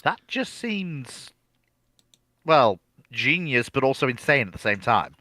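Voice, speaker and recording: A man's voice: mid-range voice, big pitch swings, slow pace, sharp tone, no echo. A man chatting casually as a panelist on a live stream, bantering with the others.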